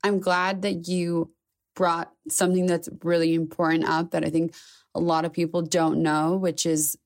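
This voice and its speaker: A woman co-hosting a podcast, speaking in a thoughtful, measured way as she raises a question to a colleague. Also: lowish voice, level tone. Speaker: podcast co-host. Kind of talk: casual podcast discussion.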